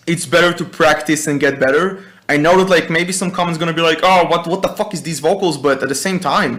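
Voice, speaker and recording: A man from Israel with an Israeli accent, talking casually as a music producer in a hesitant, halting way, swearing now and then. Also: a little high, a bit bright. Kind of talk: casual workshop talk.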